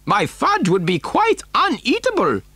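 A man's voice: very high voice, huge pitch swings, a little slow, bright, forceful tone, slightly rough, no echo, pitched above the performer's own voice, full character voice. A man voicing a frantic, giggly, eccentric chocolate factory owner in an exclamatory, fussy manner for a storybook. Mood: gleeful urgency.

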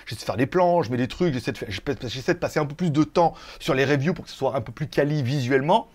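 A man's voice: medium pitch, fast talker, darkish tone. A man hosting a casual live tech news stream, chatty and rambling, swearing freely and laughing at his own jokes.

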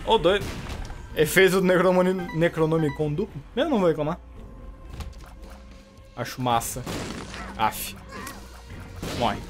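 A man with a Brazilian Portuguese accent commenting on his gameplay in a chatty way, reacting loudly and joking at enemies. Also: a little high, unhurried, pauses often, faint music behind. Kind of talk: let's play commentary.

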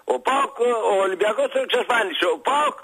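A man calling in to a sports radio show, arguing in a halting way with drawn-out words. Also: extremely high pitch, sharp tone, breathy edge, rough recording. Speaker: caller. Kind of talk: heated call-in talk.

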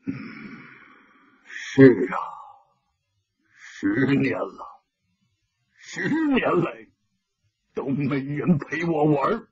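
A man voicing a grief-crazed older male hermit who rants in a drawn-out, raspy way. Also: medium pitch, muffled recording, crowd noise, lightly acted. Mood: mournful.

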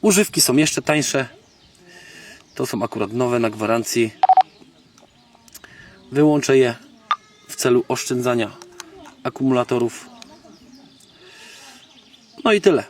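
A man from Poland gives a casual, unscripted gadget demonstration as a video blogger, halting and thinking aloud in colloquial, slangy speech. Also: mid-range voice. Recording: noisy, distant microphone, background clicks.

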